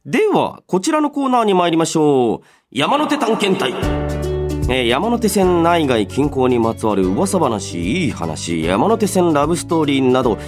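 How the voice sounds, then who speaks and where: A man hosting a solo radio show, chatting and reading listener mail in an animated way, slipping between polite announcing and casual asides. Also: on the high side, a little slow, faint music behind. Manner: animated storytelling with sound-effect words and casual asides.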